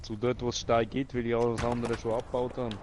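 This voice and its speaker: A man's voice: medium pitch, monotone, fast talker. A man joins a game session and chats offhandedly, teasing his fellow player. His voice sits in a mid range. A faint hiss runs under the recording. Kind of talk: casual gaming chat.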